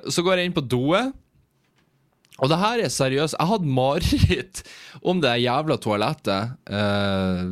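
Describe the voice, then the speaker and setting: A man's voice: fairly low pitch, no echo. Rambling young Norwegian man, dry close sound. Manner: rambling, self-mocking, exaggerating. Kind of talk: casual storytelling.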